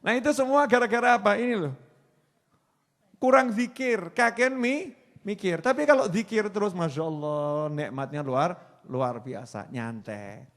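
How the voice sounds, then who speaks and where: A man's voice: high-pitched, a little slow, a bit bright. A man in his forties with a Javanese accent, preaching a playful Islamic sermon and acting out the voices he quotes. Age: 40s.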